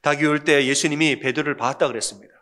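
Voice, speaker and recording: A man's voice: fairly even intonation, quick pace. A man preaching a Sunday sermon as pastor, asking the congregation questions and answering them himself. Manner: acts out quoted lines in a softer, lower voice.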